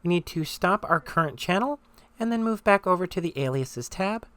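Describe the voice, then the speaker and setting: A presenter walks through a software tutorial step by step, sounding instructional yet conversational. The voice is medium-pitched and expressive, delivered at a normal speed.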